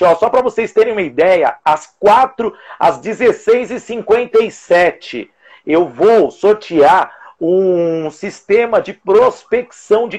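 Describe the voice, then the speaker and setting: A man's voice: sits high, breathy edge. A man in his forties with a Brazilian Portuguese accent, hosting a casual live interview over a video call with earphones at home. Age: 40s. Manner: chatty, jokey, announces schedule. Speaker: live show host. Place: room at home. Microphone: earphones with mic on video call.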